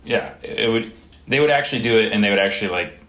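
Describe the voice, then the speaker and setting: A man co-hosting a casual podcast, telling stories in a relaxed, rambling way. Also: fairly low pitch, quick pace, reverberant. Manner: relaxed, rambling storytelling with fillers. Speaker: podcast co-host. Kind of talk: casual chat.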